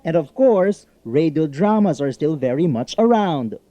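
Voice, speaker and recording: A Filipino man narrates a news report with a very lively melody. His tone is mellow, on a dry, slightly dull recording. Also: on the high side, a little slow, dry recording.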